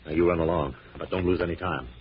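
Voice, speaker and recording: Actor as low-voiced, no-nonsense radio detective. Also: male voice, fairly even intonation, natural voice. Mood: firm, protective. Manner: brisk, questioning, no-nonsense. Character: tough, level-headed male investigator hero. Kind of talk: 1940s radio thriller acting. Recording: muffled, noisy old radio recording.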